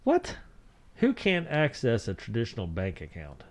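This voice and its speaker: A man's voice: medium pitch, wildly swooping pitch, moderate pace. A man co-hosting a podcast with casual banter, sarcastic and mock-exasperated in manner. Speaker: podcast co-host.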